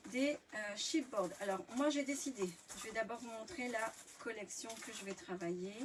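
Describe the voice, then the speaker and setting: A French woman with a fairly high voice hosts a live craft tutorial, chatting loosely with plenty of fillers and false starts. She sits a little away from the mic, and a faint hiss runs under her voice. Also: normal speed, distant mic. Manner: chatty, many fillers and restarts. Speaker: scrapbooking workshop host.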